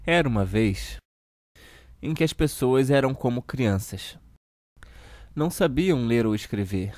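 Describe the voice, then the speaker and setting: A man with a Brazilian accent playing a children's TV uncle who reads a storybook slowly and deliberately to children. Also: mid-range voice, animated, darkish tone, no echo, studio quality, lightly acted. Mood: storytelling. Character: children's TV show host uncle reading a satirical storybook. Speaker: storyteller host of a kids' show.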